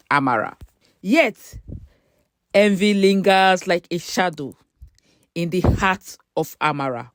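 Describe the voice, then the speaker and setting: A woman narrating a scripted story dramatically, breaking her sentences into short, deliberate phrases. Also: mid-range voice, dry recording, clean studio sound.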